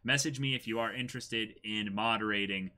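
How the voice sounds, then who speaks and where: A man's voice: on the low side, fairly quick, sharp tone, slight background noise. A man in his twenties with a North American accent, chatting casually as co-host of a livestream. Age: 20s. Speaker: streamer and co-host. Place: small indoor room.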